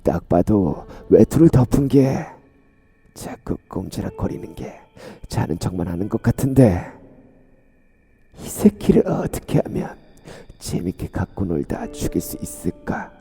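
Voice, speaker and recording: A man's voice: on the low side, big pitch swings, unhurried, gravelly, mellow, slightly rough, voice pushed up, heavily acted. A man voicing a coarse, swaggering middle-aged detective with a sinister edge in a horror radio story. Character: crude, menacing middle-aged male detective.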